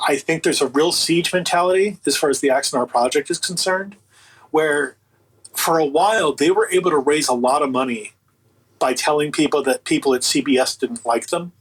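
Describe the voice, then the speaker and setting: A man's voice: fairly high pitch, normal speed, husky, poor audio. A man speaking as an interview guest, chatting casually and giving his opinions in an emphatic, colloquial way. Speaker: interview guest, audio book producer.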